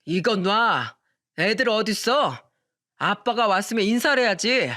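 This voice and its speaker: A woman reading a radio story, voicing a drunk, domineering middle-aged husband who yells at his family. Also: medium pitch, expressive, measured pace. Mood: drunk, bossy. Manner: slurred, domineering yelling.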